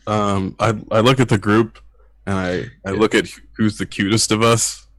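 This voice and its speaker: Male player, low and slow, easygoing jokes, dry sound. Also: little pitch movement, fairly bright tone, no room sound. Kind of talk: casual tabletop role-play.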